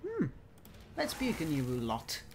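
A man's voice: on the high side, huge pitch swings, takes it slowly, background noise. A man giving playful let's play commentary in a theatrical, mock-genteel manner with a put-on accent. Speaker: gamer commentating own play.

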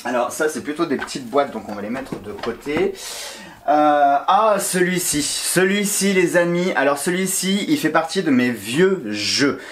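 A man's voice: a little high, lively intonation, measured pace, background noise. A man vlogging at home while sorting his oracle decks, chatty and enthusiastic, with many fillers and restarts. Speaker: tarot and oracle card YouTuber. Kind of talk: casual vlog talking to viewers. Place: home during a move, sorting boxes.

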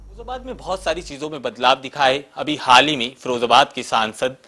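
A man's voice: mid-range voice, lively intonation, brisk, pushed and bright. A man with a Western Uttar Pradesh Hindi accent, a reporter asking long interview questions with "uh" fillers.

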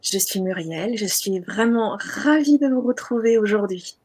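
A woman hosts a live online interview, greeting her guest and the viewers in the chat. Her voice is slightly husky. She is heard over a video call. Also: medium pitch, normal speed, darkish tone. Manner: welcoming, addresses the chat audience directly. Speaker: host.

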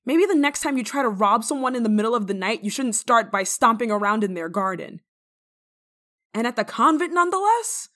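A woman playing a stern but kind-hearted village nun in a dramatic roleplay monologue, scolding and teasing with theatrical pauses. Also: on the high side, lively intonation, a bit bright. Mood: stern, confronting.

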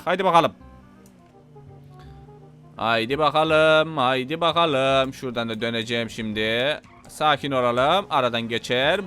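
A man giving casual, excitable commentary while playing a game, talking to his viewers and to the passengers in the game. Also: fairly high pitch, smooth. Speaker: gameplay commentator.

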